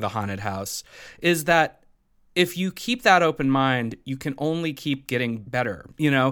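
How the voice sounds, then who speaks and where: A man speaks at a medium pitch in a plain, everyday voice, fairly quickly and with ordinary pitch variation. The recording is very clean with a silent background. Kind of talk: casual interview chat.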